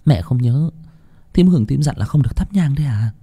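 A man's voice: mid-range voice, expressive, brisk, dark tone, slightly rough, pitched above the performer's own voice. A man voicing a worried young daughter who urgently warns her mother.

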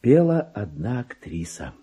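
A man's voice: fairly low pitch, big pitch swings, a little slow, dark tone, slightly rough, full character voice. An actor playing a vain, resentful middle-aged clerk in a radio play, pompous and exclamatory, as if muttering his diary to himself. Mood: pleased, musing. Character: petty forty-two-year-old male clerk, vain, resentful, self-important. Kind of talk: theatrical radio play monologue, diary read aloud.

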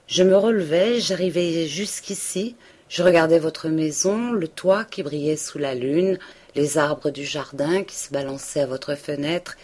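A woman's voice: low-pitched, warm tone. A woman reading a melancholy pleading male seducer. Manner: impassioned, pleading declarations.

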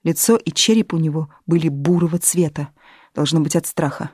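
A woman with a low voice reads a novel aloud in a measured, even manner. The recording is close and dry, with no room sound. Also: husky, no room sound. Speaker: audiobook narrator. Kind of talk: scripted narration.

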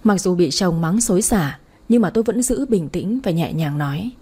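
Woman storyteller, first-person narration, mellow and husky. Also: lowish voice, lively intonation, moderate pace.

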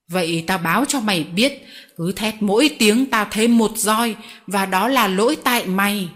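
A woman's voice: mid-range voice, close to an everyday voice. A woman reading an audiobook voices a sly, cruel male boss who talks sweetly while threatening children, in a mocking, menacing way.

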